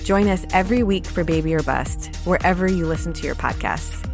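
A woman's voice: lowish voice, a little fast, gravelly. A woman, a doctor and host, reading a scripted promo for a podcast. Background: music.

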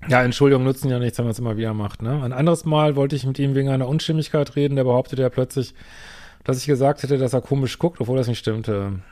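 A middle-aged German man reads a listener's email aloud and breaks off into dry, sarcastic asides. His voice sits at an everyday middle pitch, and he talks in a loose, casual way. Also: steady tone, fast, mellow. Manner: sarcastic, exasperated asides with frequent "ey". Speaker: couples therapist and podcast host. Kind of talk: reading a viewer's email aloud with commentary.

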